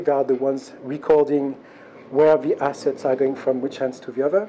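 An unremarkable speaking voice from a man, fairly high in pitch, with fairly even intonation and light background noise. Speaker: tech innovation unit head presenting blockchain project. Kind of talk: meetup presentation with Q&A. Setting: stage with audience. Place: meeting room. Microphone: lapel.

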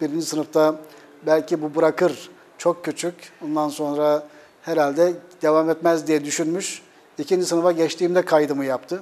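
This man speaks at a moderate pace. His intonation is monotone and flat. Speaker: former mayor, interview guest. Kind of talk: interview answer. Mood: warm, nostalgic. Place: studio. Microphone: lapel.

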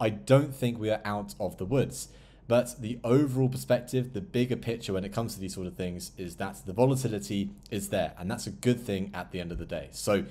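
A man speaks fairly quickly at a fairly low pitch, with vocal fry. His tone is dark and mellow, and his intonation is lively. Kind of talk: commentary. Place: home room.

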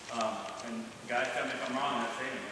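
A man is speaking in a room with strong echo. Noticeable background noise can be heard. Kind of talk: motivational talk to campers. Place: hall. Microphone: camera far.

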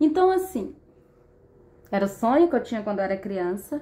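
Her tone dark and mellow, a woman speaks somewhat breathily at a moderate pace. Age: 30s. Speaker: YouTuber, trained teacher. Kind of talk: personal testimony. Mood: reflective, earnest. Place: home room. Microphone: phone near.

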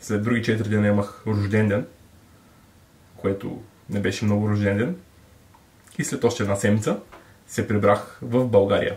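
A man talks at a moderate pace with long, frequent pauses and a fairly low pitch. His voice is somewhat breathy, and his intonation stays fairly even. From Bulgaria, Ruse; Bulgaria. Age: 20s. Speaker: bodybuilder. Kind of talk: vlog monologue; casual vlog chat. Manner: halting.

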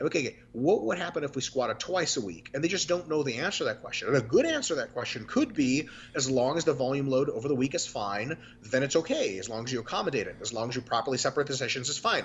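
A somewhat breathy man with lively intonation at a very fast pace over light background noise. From Metro Detroit, US Midwest (born in Moscow, left at seven). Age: 30s. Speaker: exercise scientist and professor. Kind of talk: casual chat. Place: home room. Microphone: video call.

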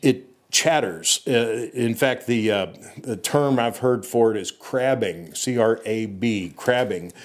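The speaker is a man. Behind him, all is quiet. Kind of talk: tutorial. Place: office. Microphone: lapel.

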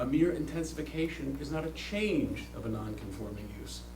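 A man with an American accent at a moderate pace, amid noticeable background noise and audible room echo. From Southampton, New York. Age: 60s. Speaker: resident speaking at public hearing. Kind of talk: public comment at hearing.

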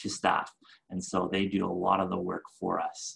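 Fairly quick pace from a man, quiet background behind him. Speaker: panelist. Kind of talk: panel presentation. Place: office. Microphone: webcam.

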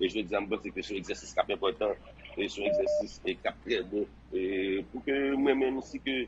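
The voice moves at a moderate pace. Noticeable background noise is present. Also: man. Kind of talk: phone interview. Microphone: line cutting out.

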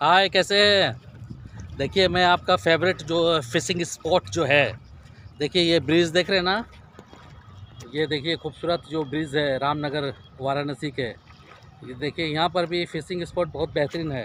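Speaking at a very slow pace, a man comes through with a dry sound with no echo and light background noise. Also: ordinary pitch variation. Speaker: vlogger. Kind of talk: casual vlog chat. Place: waterside. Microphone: phone near.

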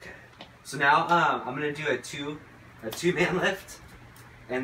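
There is ordinary pitch variation in this voice, with light background noise and audible room echo. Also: man. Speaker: vlogger showing daily routine. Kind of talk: casual vlog explanation.

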